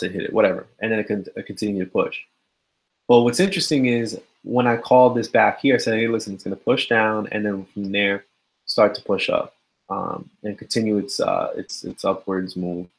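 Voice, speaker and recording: A man's voice: lowish voice, fairly even intonation, moderate pace, gravelly, low-quality recording. A man giving a casual live-stream forex chart analysis, sleepy and yawning, talking loosely with many fillers. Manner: casual, filler-heavy, addresses viewers as guys. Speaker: forex trading educator.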